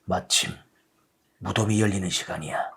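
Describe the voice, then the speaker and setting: A man's voice: low voice, fairly even intonation, moderate pace, gravelly, pushed and bright, breathy edge, pitched below the performer's own voice, heavily acted. A man voicing a gallant, deluded old knight with a solemn, declamatory manner in a storybook tale. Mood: grave, resolute.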